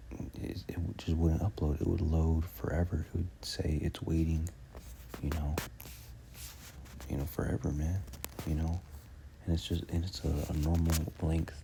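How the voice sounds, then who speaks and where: Soft-spoken, a man talks in a very deep, low pitch with fairly even intonation and long, frequent pauses. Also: moderate pace. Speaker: religious teacher. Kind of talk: religious lesson. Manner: halting.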